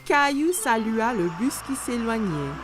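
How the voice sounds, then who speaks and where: A woman giving scripted storybook narration for a children's cartoon, expressive and aimed at young listeners. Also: on the high side, a little slow, music in the background.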